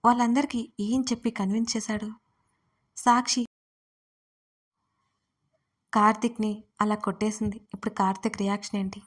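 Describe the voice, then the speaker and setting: A woman reads a first-person romance audio story in a dramatic storytelling manner. Her pitch stays narrow and flat, with little rise or fall. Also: normal speed, long pauses.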